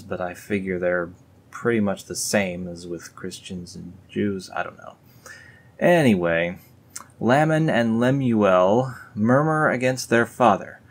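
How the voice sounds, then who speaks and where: A video host with a lowish, slightly rough voice reads scripture aloud in a casual read-along. After solemn passages he breaks off for dry, sarcastic comments.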